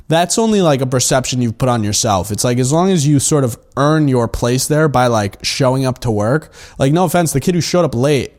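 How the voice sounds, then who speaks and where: A man with a mid-pitched voice co-hosts a casual podcast. He speaks earnestly, working through his thoughts out loud with plenty of "uh" and "like". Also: animated, fairly quick, hardly any pauses. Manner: earnest, thinking aloud with "uh" and "like". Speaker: podcast co-host. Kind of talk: casual conversation.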